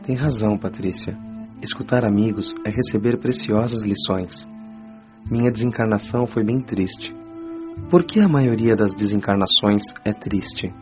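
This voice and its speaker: Guy doing a sorry young spirit guy telling his story, lowish voice, lo-fi dull audio, music clear in back. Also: normal speed, lightly acted. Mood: remorseful. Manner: earnest, confessional storytelling. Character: young male spirit, remorseful former drug user. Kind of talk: radio drama acting.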